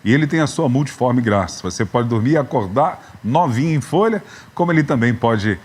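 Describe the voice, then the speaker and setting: Man in his fifties, São Paulo accent, pastor, live church webcast host, drawn-out greetings, middle pitch. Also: animated, breathy edge. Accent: Brazilian Portuguese, São Paulo. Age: 50s. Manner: warm greetings, stretched out and raised. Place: church building.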